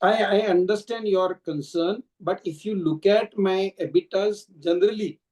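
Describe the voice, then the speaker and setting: A man with an Indian accent answering questions as a company executive on a conference call, explaining in halting, restarted phrases. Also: high voice, darkish tone. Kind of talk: earnings call answers, spontaneous speech.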